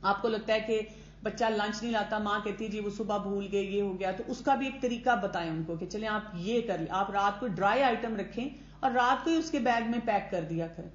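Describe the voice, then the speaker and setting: A woman training teachers in a conversational lecture, mixing English words into her talk and acting out what parents and teachers say. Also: mid-range voice. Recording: echoey room, dull lo-fi sound.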